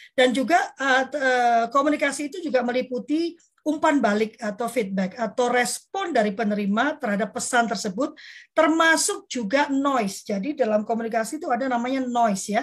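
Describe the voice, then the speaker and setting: Loud and lively in intonation, a woman speaks at a high pitch and a fairly quick pace. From Surabaya, East Java, Indonesia. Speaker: parenting community host and speaker. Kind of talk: online talk on communication with Q&A. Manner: loud, direct.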